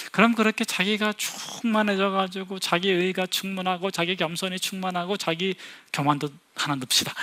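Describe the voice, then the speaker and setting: A man preaching a Sunday sermon as a pastor, animated, with sudden loud emphasis and quick voiced asides. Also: a little high. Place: church sanctuary.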